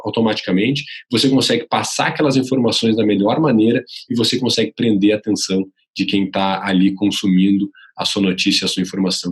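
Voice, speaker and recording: A man with a Brazilian Portuguese accent teaching vocal technique to aspiring sports journalists in a casual, lively way, swinging his pitch up and down to demonstrate emphasis. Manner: addresses viewer directly, casual and instructive. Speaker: journalism coach.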